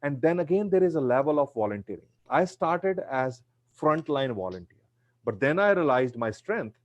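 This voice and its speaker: A man's voice: on the high side, very animated, normal speed, no echo, lo-fi sound. A middle-aged man with an Indian accent and Punjabi as his first language, earnestly answering audience questions over a video call and often repeating himself. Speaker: guest speaker.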